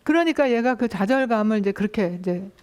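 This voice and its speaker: A woman giving a lecture on parenting, telling an anecdote in a lively way and acting out the voices of the people in it. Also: medium pitch, a little fast.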